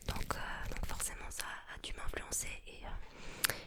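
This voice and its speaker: Whispered words from a woman amid noticeable background noise. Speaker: singer and ASMR creator. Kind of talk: ASMR chit-chat. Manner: whispered, close to the mic.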